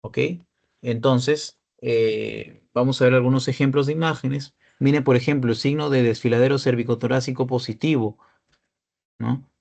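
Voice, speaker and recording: A man's voice: mid-range voice, steady tone, normal speed, vocal fry, darkish tone. A young man giving a peer-tutoring radiology lecture, explaining cases and checking in often with his listeners. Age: young adult.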